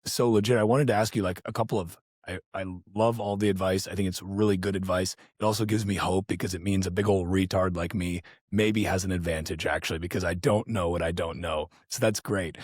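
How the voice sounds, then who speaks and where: Hoarse guy hosting a podcast, real low husky voice, excitable, swears a lot. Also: a little fast, dry recording, studio quality. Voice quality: hoarse, gravelly. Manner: excitable, self-deprecating, swears casually. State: losing his voice. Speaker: podcast host. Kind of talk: casual podcast chat.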